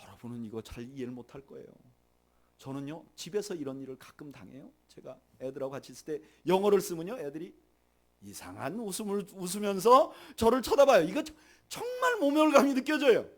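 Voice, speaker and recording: Animated Korean pastor preaching. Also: male voice, high voice, fairly quick. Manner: animated preaching, rising loud on emphasis then dropping soft; leads the congregation in reading aloud. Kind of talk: sermon.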